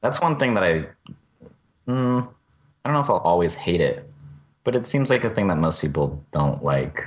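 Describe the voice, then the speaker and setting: A man with a very low voice chats casually on a podcast. He talks in a halting way, pausing on fillers as he gathers his thoughts. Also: lively intonation. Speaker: podcast co-host. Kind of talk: casual conversational chat.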